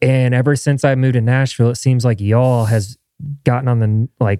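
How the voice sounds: A man at medium pitch and moderate pace, clear and smooth yet dark and mellow in tone, with little pitch movement and a dry, close sound with no echo.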